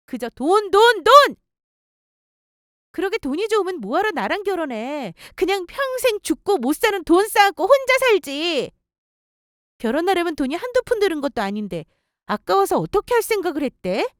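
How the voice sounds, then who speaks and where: A woman's voice: high voice, dry recording, clean studio sound, voice pushed up. A woman voicing a furious, scornful young fiancée in a dramatized story.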